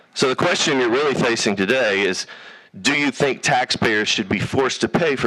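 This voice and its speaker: Amid noticeable background noise, a man in a Southern US accent talks at a moderate pace and medium pitch with lively intonation. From Arkansas. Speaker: policy advocate. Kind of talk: legislative testimony.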